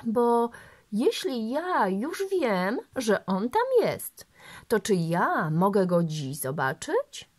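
A woman voicing an excited, affectionate little girl who speaks eagerly and pleadingly. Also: mid-range voice, takes it slowly.

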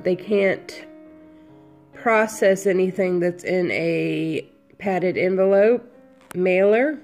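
A woman with a cold, sniffling a little, slowly listing her handmade headbands for sale from home. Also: lowish voice, a little mellow. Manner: slow, unhurried item-by-item listing. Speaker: crafter selling handmade headbands. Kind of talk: casual product walkthrough.

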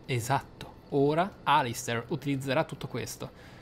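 Guy doing game commentary, kinda dramatic and deliberate, thinks out loud, music playing behind him. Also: medium pitch. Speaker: gaming YouTuber, player. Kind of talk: game playthrough commentary with role-play musing.

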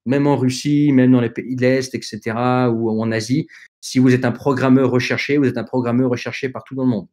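A man's voice: mid-range voice, steady tone, brisk, a little mellow. Hesitant man giving earnest advice. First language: not French. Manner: hesitant, with frequent fillers and restarts; earnest, direct advice to young listeners. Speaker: podcast guest. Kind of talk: conversational advice in an interview.

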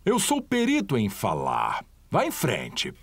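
A man's voice: mid-range voice, huge pitch swings, slow pace, creaky, slight background noise, full character voice. A man voicing a jolly, bumbling father pig in a cartoon dub, hearty and chuckling. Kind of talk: Brazilian Portuguese cartoon dub.

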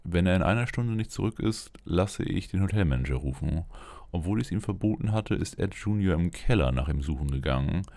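A man's voice: deep voice, animated, fairly quick, vocal fry, darkish tone, no room sound. A man voicing a worried wife and mother in an earnest reading of her diary. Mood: anxious.

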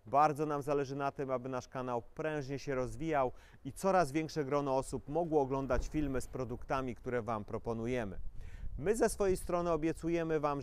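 A young man presenting a quad bike for a dealership, reading out its specifications in a steady, matter-of-fact way and inviting viewers to subscribe. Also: mid-range voice, clear, resonant tone. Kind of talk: product presentation.

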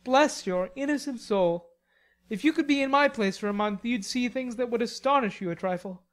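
A woman reading a storybook, voicing a charming young gentleman with airy, mock-superior banter. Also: fairly high pitch, moderate pace, pitched above the performer's own voice, lightly acted.

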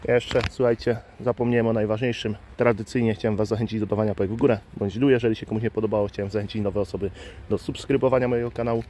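A man's voice: fairly low pitch, fairly even intonation, very fast, warm tone, a little hiss or hum. A man, a beekeeper, casually explaining his work at the hives as he films, thinking aloud with fillers. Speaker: beekeeper and channel host. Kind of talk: casual hands-on explainer vlog. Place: outdoors at beehives. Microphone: handheld phone camera. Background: faint outdoor ambience with buzzing bees.

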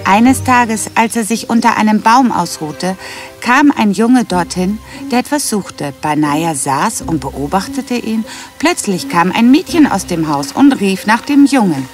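A woman's voice: medium pitch, expressive, unhurried. Female storyteller, scripted fairy-tale narration, music underneath.

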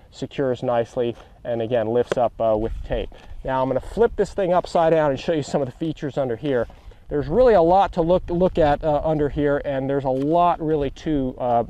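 Out on a grassy field, a middle-aged man shows off a model aircraft, then commentates as it flies, talking straight to viewers with lots of fillers and eager asides. He's a model aircraft reviewer and pilot giving a product demo. His voice is mid-range and warm, with slight background noise.

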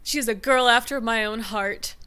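A woman's voice: a little high, normal speed, sharp tone, a little hiss or hum. A young woman reacting to a video in a casual, gushing, chatty way from her bedroom streaming desk. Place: decorated bedroom streaming setup. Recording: faint music from clip underneath.

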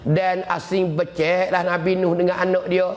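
A man with a Patani-Kelantan Malay accent, a religious teacher preaching a sermon, repeating words and chanting Quran verses slowly. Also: high-pitched, little pitch movement. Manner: repetitive, drawn-out Quran recitation mixed with storytelling. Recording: echoey hall reverb.

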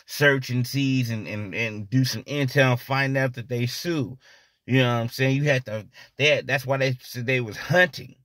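A man's voice: medium pitch, a bit bright, no echo, studio quality. A man telling street stories in a casual, rambling monologue, often checking in with "you know what I mean". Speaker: storyteller.

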